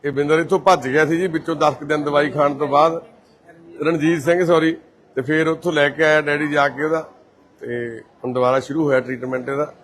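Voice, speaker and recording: A man from Punjab, India, the volunteer host of a care society, walking through a care centre and gently reassuring patients and their families. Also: on the high side, fairly even intonation, brisk. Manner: gentle and reassuring, calls people mother and brother. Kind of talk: casual on-camera walkthrough talk.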